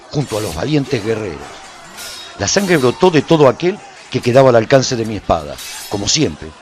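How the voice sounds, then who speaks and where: Male actor as a lone warrior, solemn radio drama storyteller, lively intonation, battle memoir, faint music behind. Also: mid-range voice, natural voice. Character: solitary male warrior recounting his battles in first person. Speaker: narrator of a radio serial. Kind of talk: dramatized scripted radio narration.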